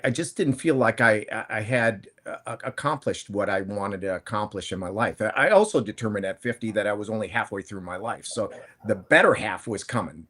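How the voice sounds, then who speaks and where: Man, fifties, low voice, casual panel chat, rambling, self-correcting. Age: 50s. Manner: rambling, conversational, frequent restarts and self-corrections. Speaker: panel guest, plant-based food entrepreneur.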